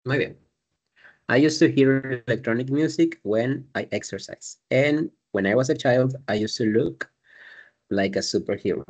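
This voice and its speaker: A man teaching an English class, explaining patiently step by step and drilling pronunciation. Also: mid-range voice.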